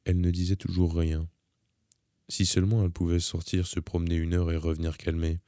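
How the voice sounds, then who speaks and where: A man calmly reading a novel aloud in the first person, measured and even. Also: deep voice, dry recording. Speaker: audiobook narrator.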